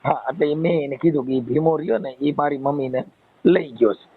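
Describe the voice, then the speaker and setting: A man's voice: fairly high pitch, a little fast, slightly rough. A man with a Kathiawadi Gujarati accent explaining things in a conciliatory way in an informal phone conversation. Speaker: host taking calls for a recorded-call channel. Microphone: phone line. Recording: muffled lo-fi phone call.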